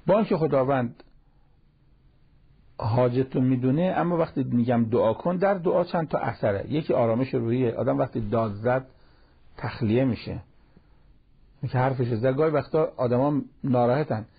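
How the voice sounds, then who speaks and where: Plain, talky preaching drives this Quran commentary, given sermon-style by a cleric who quotes Arabic verses along the way. His medium-pitched voice is rough and husky, and the lo-fi, muffled audio recalls an old radio broadcast.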